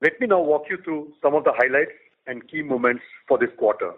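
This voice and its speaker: A man in the role of chief executive, giving a prepared quarterly business update in measured short phrases. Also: a little high, expressive. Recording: tinny phone line.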